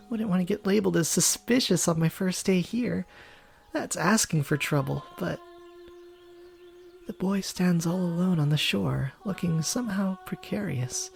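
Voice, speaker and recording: A woman's voice: fairly low pitch, gravelly, a little mellow. A woman voicing an earnest young foreign woman in a story game, chatty, easily flustered and prone to stammering. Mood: musing. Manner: stammering, indignant when teased. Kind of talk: dramatic character voice reading of a story game.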